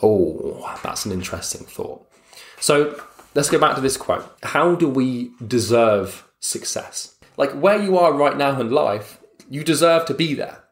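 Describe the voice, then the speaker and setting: A man's voice: medium pitch, lively intonation, measured pace. Blunt young man, roomy echo. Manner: blunt, swears casually, addresses listener as mate. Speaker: motivational speaker. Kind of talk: motivational talk to the listener.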